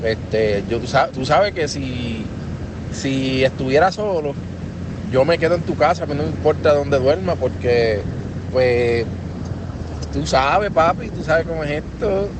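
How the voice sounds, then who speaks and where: A man's voice: a little high, moderate pace, noisy background. A man with a Puerto Rican Spanish accent, rambling casually with many filler words in a voice message to his cousin. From Puerto Rico.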